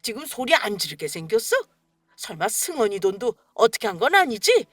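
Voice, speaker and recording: A stern middle-aged husband scolds his wife harshly in a story radio drama, played by a woman. The voice sits high and moves a lot, and the recording is dry and close. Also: very animated, fairly quick, slightly rough, dry recording, soft background music. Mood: angry.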